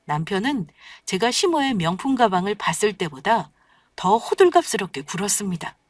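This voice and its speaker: A woman's voice: medium pitch, sing-song, normal speed, dry recording. A woman narrating a scripted true-life story in a wry, pointed way, voicing her own lines too.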